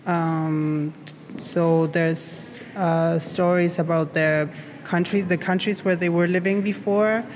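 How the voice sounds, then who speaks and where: A woman's voice: lowish voice, fairly even intonation, slow, darkish tone. Hesitant woman. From Chile. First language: Spanish. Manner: hesitant, searching for words, many fillers. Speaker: art student. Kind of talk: interview answers. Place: art academy studio. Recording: noisy recording.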